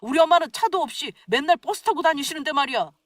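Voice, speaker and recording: A woman's voice: high voice, lively intonation, quick pace, fairly bright tone, no room sound, studio quality, pitched above the performer's own voice. A woman voicing an angry, petty husband who complains indignantly in a radio-style story reading. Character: angry husband, grown man, petty and defensive.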